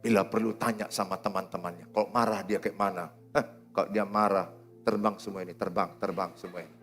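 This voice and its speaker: A middle-aged man preaching a sermon, swinging between loud exhortations and quiet, low asides. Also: fairly even intonation, brisk, soft background music. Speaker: pastor. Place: church hall with congregation.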